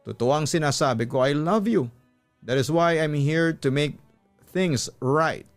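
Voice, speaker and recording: A narrator acts out a cheating husband in a radio love drama, a man desperate to be forgiven. He pleads in drawn-out phrases, fairly high, with music underneath. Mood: earnest. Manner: pleading, drawn-out English phrases mixed with Tagalog.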